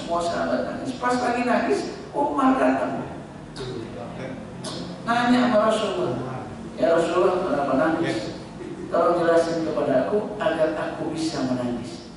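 A man's voice: high-pitched, background noise. A man preaching, telling stories and acting out the people he quotes, recorded in a mosque. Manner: lively storytelling, acts out quoted speakers. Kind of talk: sermon. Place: mosque hall. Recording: echoey mosque hall from far off.

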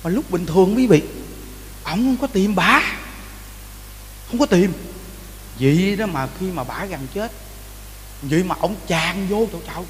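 A man's voice: high voice, a little slow, pauses often. A man with a Southern Vietnamese accent preaching a Buddhist sermon in a temple hall, telling stories with lots of repeated words and frequent calls to the audience. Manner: animated storytelling, repeats words, addresses the audience often. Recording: reverberant hall with faint noise.

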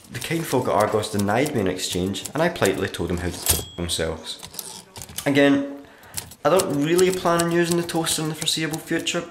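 A man playing a sullen, sardonic writer narrating his diary in a black comedy radio play, dry and deadpan. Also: mid-range voice, natural voice. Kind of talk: dramatic monologue, diary narration in a black comedy audio drama. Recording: roomy echo with background noise.

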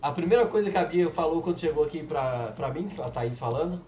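A man with a Brazilian accent hosting a live stream, reacting excitedly and relaying what is said in an interview, often shouting a catchphrase. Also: on the high side, fairly quick, reverberant, far from the mic. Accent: Brazilian Portuguese.

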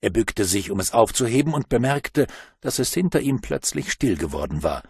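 A man narrating an audiobook in a lively storytelling manner. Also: mid-range voice, normal speed, gravelly, slightly rough, no room sound, clean studio sound. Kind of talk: scripted narration.

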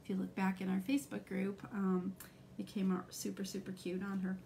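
A woman's voice: mid-range voice, monotone, fairly quick, creaky, slight background noise. Chatty middle-aged woman teaching a craft. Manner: chatty, explains step by step with frequent ums. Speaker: craft demonstrator. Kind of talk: live craft tutorial.

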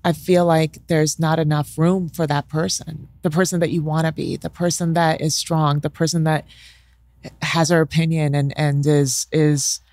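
Gravelly-voiced woman musing thoughtfully. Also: low-pitched, flat delivery, moderate pace, a little mellow, no echo. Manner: thoughtful, peppers talk with "right?" and "sort of". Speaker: negotiation professor, guest. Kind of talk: reflective interview talk. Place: bright studio with leather armchairs. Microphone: studio mic on boom arm.

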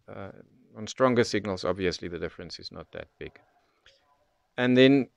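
A man's voice: low-pitched, creaky, no echo, clean studio sound. A man presenting an unscripted product demonstration, explaining things methodically, step by step. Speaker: presenter of radio tutorial.

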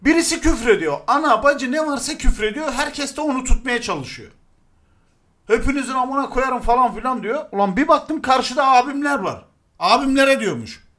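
A young man hosting a casual chat, telling stories in an animated, crude, joking way. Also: extremely high pitch, normal speed. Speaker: show host.

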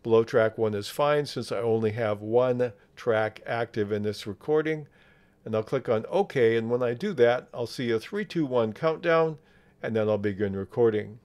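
A man presenting a software tutorial step by step in a measured, explanatory manner. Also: mid-range voice, smooth. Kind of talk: step-by-step screen tutorial narration.

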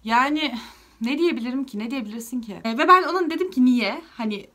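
Fast-talking young woman vlogger. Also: high voice. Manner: chatty, lively retelling of dialogue with many fillers. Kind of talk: casual storytime vlog.

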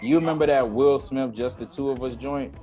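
Crowd noise runs under this fairly quick, mid-range male voice. He's a guest musician in his thirties on a casual video call, lively and animated, breaking into scatted drum rhythms and freestyles. Using an earbud headset, he speaks from a home room hung with a jazz tapestry and string lights.

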